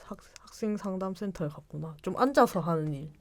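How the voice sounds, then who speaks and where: Speaking in a Korean regional accent, this podcast guest tells casual conversational stories, rambling, giggling and poking fun at herself. Her lowish voice is brisk and expressive, and the recording is dry.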